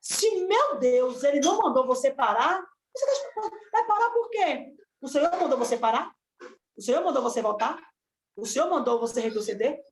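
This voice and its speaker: Brief: high-pitched woman preacher, fervent and insistent, in an echoey room. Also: animated, moderate pace. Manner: fervent, repetitive exhortation with rising cries. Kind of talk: Pentecostal-style sermon on a live stream. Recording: echoey room with faint noise.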